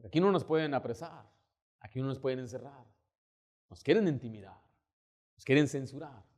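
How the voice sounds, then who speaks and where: A male pastor, preaching a sermon and telling stories with emphatic, lively delivery. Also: medium pitch, moderate pace. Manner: storytelling, acting out quoted voices, emphatic.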